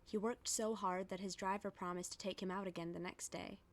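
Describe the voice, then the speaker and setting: A woman performing as a storybook narrator, telling a children's railway tale in a measured way. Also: mid-range voice, steady tone, lightly acted. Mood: calm, warm. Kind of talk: scripted storybook narration in switched accents.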